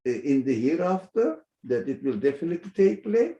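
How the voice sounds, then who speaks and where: A man explaining a religious text in an animated way, chuckling often and pausing to search for words. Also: fairly high pitch, roomy sound, highs cut off. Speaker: religious teacher.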